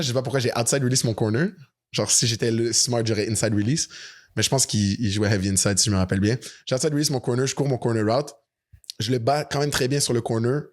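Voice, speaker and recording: A man's voice: medium pitch, fairly quick. A Canadian man with a Quebec French accent, telling a story in a casual podcast chat and acting out quoted lines. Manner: animated, acts out quoted lines. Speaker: podcast co-host.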